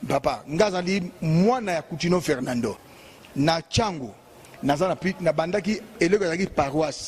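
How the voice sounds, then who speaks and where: Husky high-voiced Congolese man ranting. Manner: emphatic, repetitive, ranting. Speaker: bishop giving political commentary. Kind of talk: heated monologue.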